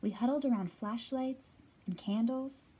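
A woman's voice: on the high side, measured pace, warm tone, slight background noise. A woman in her thirties hosting a storytime for young children, speaking expressively as she talks and reads aloud. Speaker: children's library storytime host. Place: library room with bookshelves, indoors.

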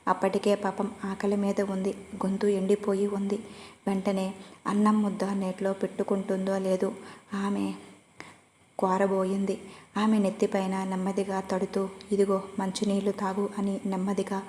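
A woman's voice: mid-range voice, monotone, moderate pace, dark tone, a little hiss or hum. A woman narrating a romance story, reading steadily and evenly.

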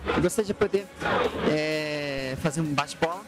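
A man's voice: on the high side, normal speed. A young man with a Brazilian accent, interviewing in a casual, chatty style on a handheld recorder. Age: young adult. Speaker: interviewer and music producer. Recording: music playing behind the voice.

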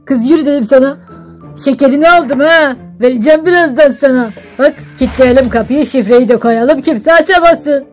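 A man voicing a sly, villainous neighbor in a game, speaking in a slow, drawn-out sneer. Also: very high voice, faint music behind, pitched above the performer's own voice. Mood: gloating.

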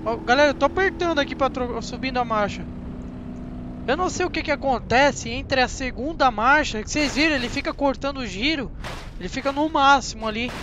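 A young man with a Brazilian Portuguese accent giving chatty, excitable commentary on a driving game straight to his viewers. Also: extremely high pitch, a little fast, noisy background. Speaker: gaming channel host. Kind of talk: casual gameplay commentary.

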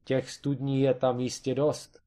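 A man voicing a cautious doctor in a comic storybook reading, measured and objecting. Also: medium pitch, flat delivery, dark tone, close to an everyday voice. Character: cautious reasoning male doctor.

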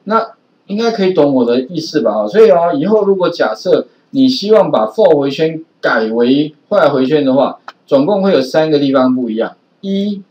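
A man's voice: on the high side, animated, normal speed, darkish tone. A male programming teacher with a Taiwanese Mandarin accent, giving a recorded classroom lecture in a chatty way with many filler particles. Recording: roomy, distant, dull lo-fi classroom audio.

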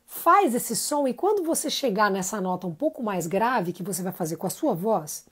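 A woman's voice: medium pitch, big pitch swings, moderate pace, breathy edge. A woman giving a live-streamed singing lesson, chatty and encouraging, greeting viewers by name between explanations. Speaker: singing teacher.

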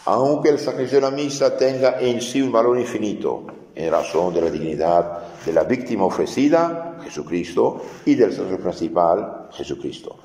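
A man, a priest, giving a catechism lesson for adults and explaining slowly, often repeating his key phrases. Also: lowish voice, dark tone. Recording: echoey hall with long reverb.

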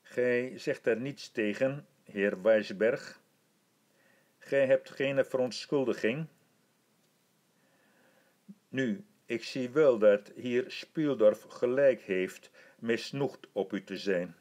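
A man voicing a slow, stately old emperor. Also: medium pitch, darkish tone, close to an everyday voice. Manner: stately, measured and formal. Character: older male emperor, gracious and commanding. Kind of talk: audiobook reading.

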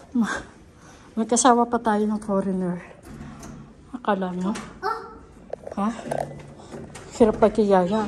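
A Filipino woman chatting casually in an exclamatory, playful way, with a Filipino accent and Tagalog as her first language. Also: fairly high pitch. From Philippines. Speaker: vlogger. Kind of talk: casual family vlog chat. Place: indoors in a hotel lobby, corridors and room. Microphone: handheld phone. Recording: handheld phone recording with slight background noise.

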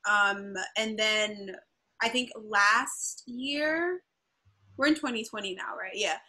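A woman's voice: mid-range voice, slow, poor audio. A young woman from Jamaica, a guest chatting casually over a video call from her bedroom at home. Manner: relaxed, chatty, animated storytelling. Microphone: laptop webcam on video call.

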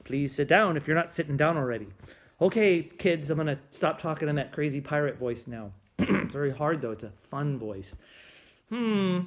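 A male music teacher giving a gentle, encouraging music lesson to young children from home. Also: a little high, lively intonation, normal speed. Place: at home on a bed.

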